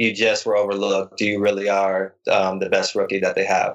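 Speaking with an American accent, a man goes at a moderate pace. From Nevada. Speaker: former NFL player. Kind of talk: casual interview.

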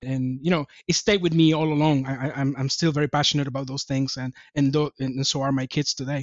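A man with a Spanish accent rattles along at a very fast pace, fairly high in pitch and monotone, with flat intonation. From Venezuela. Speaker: robotics engineer. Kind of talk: interview. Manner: halting, many repetitions.

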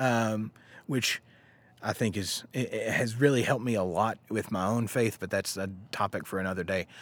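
A man with a slight Southern US accent speaks at medium pitch. The recording is very clean, with a silent background. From US South. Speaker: guest sharing sobriety story. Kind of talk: casual chat. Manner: joking, humorous.

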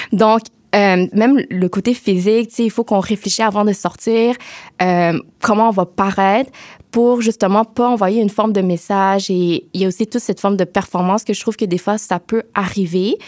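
A woman in a plain, everyday voice at a moderate pace, dry, close sound with no echo, very clean recording with a silent background. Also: medium pitch for a woman, fairly even intonation, very even loudness. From Montreal, Quebec (Saint-Michel). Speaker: doctoral student, community activist. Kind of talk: panel discussion.

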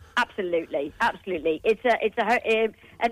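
A woman speaks with an English accent. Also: dry, close sound with no echo. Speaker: football fan and commentator. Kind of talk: casual chat.

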